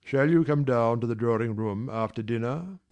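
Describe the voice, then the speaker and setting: A brusque, commanding gentleman of middle years who teases and bargains by turns, as a man reads him. His voice sits at an ordinary male pitch. He sounds like a figure from a period storybook drama. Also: moderate pace, lightly acted. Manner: gruff, teasing, commanding. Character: brusque teasing gentleman employer, middle-aged. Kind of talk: dramatized classic novel reading.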